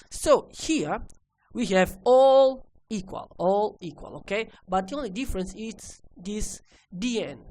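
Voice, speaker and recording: A woman with a Portuguese accent, a native Portuguese speaker, giving a technical lesson step by step in a halting, repetitive way, often checking with the listener. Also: medium pitch, slight background noise, rough recording. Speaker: computer repair instructor. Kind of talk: screen-recorded technical lesson, explaining step by step.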